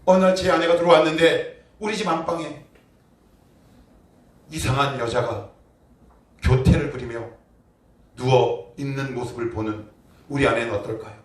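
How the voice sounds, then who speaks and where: A man's voice: mid-range voice, moderate pace, pauses often. A man preaching a sermon as pastor, asking his congregation rhetorical questions with emphatic delivery. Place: church sanctuary. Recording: roomy church echo, distant mic.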